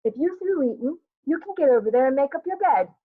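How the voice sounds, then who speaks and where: A woman's voice: mid-range voice, big pitch swings, moderate pace. A tired young mother from a stage drama, read by a woman. She is stern but loving, dry and clipped in her orders. The recording is thin and phone-like. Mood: scolding. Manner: scolding, dry, clipped commands.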